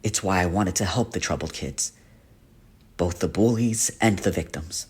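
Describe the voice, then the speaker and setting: Gentle, wounded guardian-mentor for character drama, male actor: lowish husky voice, earnest confessional delivery. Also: normal speed. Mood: earnest, reflective. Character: gentle guardian teacher, male shapeshifter haunted by a painful past. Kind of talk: dramatic character monologue for a voice reel.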